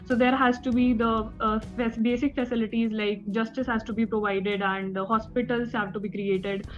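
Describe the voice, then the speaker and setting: A woman's voice: on the high side, steady tone, moderate pace. A young woman with an Indian accent answering as a candidate in a formal interview, nervous, hesitant and deferential. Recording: dull band-limited audio with background music.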